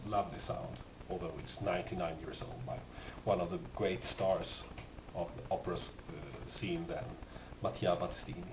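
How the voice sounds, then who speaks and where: A man's voice: deep voice, fairly even intonation, moderate pace, gravelly, few pauses. A man giving a casual, unscripted show-and-tell as a record collector, hesitant and rambling as he thinks aloud. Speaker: record collector presenting his finds. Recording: roomy, distant, muffled, noisy home recording.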